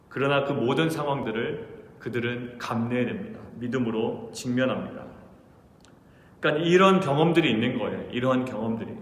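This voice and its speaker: A man's voice: medium pitch, fairly bright tone. A middle-aged man preaches at a dawn service, slipping into the voices of the people in his stories. His voice rings through a large church hall with a long reverb and a faint hiss underneath. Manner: storytelling, acting out quoted voices. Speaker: pastor. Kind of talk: early-morning sermon. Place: church sanctuary.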